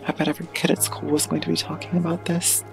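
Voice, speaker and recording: Weary teenage kid played by an actor, audio drama, hesitant, monotone, gravelly fry. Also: medium pitch, soft background music, close to an everyday voice. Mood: subdued. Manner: hesitant, halting. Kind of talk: audio drama narration and dialogue.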